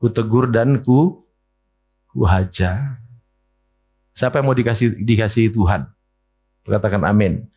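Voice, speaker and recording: A man, preaching a sermon in a church, often asking the congregation questions and mimicking complaints in a higher voice. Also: measured pace, pauses often, highs cut off. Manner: mimics whiny complaints in a high voice. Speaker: pastor. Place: church hall.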